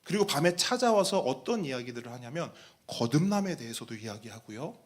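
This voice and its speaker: A man's voice: mid-range voice, very animated, brisk. A man, a pastor, preaching a sermon, asking the congregation questions and acting out the voices he quotes.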